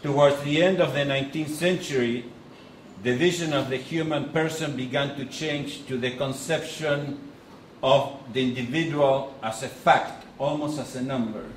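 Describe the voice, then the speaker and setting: A middle-aged man from Argentina with an Argentine Spanish accent, giving a conference lecture in a measured way with pauses and restarts. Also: medium pitch, steady tone. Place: conference hall. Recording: echoey hall with faint noise.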